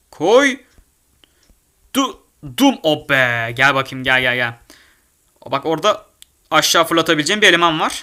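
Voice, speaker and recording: Excitable young man commenting gameplay. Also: fairly high pitch. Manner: excitable, swears and shouts in panic. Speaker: gaming YouTuber.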